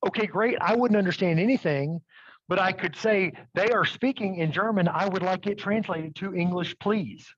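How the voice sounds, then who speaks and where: A man's voice: sits high, normal speed, no room sound, dull audio. A man presenting a live webinar demo, upbeat and checking in with the audience as he goes. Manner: upbeat, addresses audience with "okay?" and "right?".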